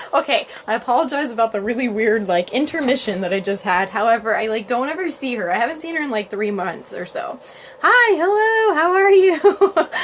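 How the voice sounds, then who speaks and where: A woman speaks loud and fairly quickly with a high pitch. Her pitch swings very widely, and there is noticeable background noise. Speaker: yoga teacher and live streamer. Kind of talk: casual live stream chat. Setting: live stream from her cottage.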